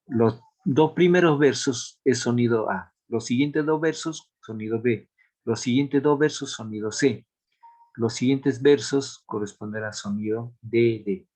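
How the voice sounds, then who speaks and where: Male literature teacher, mid-pitched voice, explains step by step, recites verse. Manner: explains step by step, often checks with "¿bien?" and "¿no?"; reads poems aloud in a recital tone. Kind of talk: recorded classroom lecture.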